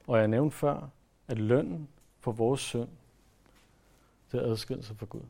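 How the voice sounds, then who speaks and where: A male preacher delivers an earnest sermon. His voice is gravelly and mellow, and he pushes some phrases hard before easing into quiet, softer lines. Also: medium pitch. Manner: earnest, rises to emphatic then drops to soft.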